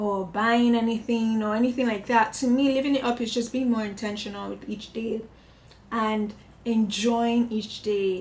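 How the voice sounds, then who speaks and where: Somewhat breathy, a woman's voice comes through. She keeps to a moderate pace. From Nigeria, Lagos. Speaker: vlogger. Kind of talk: casual vlog talk. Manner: animated.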